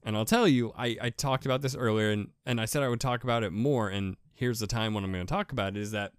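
A man with a deep voice giving a casual, rambling how-to talk as a podcaster, repeating himself with enthusiasm. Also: fast, clear, resonant tone, no echo, studio quality. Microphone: USB desk microphone with pop filter.

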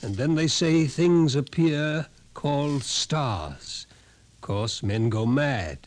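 An actor playing a wry, doom-saying psychology professor in a 1950s radio drama, dry and theatrical, on a vintage recording. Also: male voice, mid-range voice, lively intonation, takes it slowly, darkish tone. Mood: wry, matter-of-fact. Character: scrawny male psychology professor, wry, ominous doomsayer.

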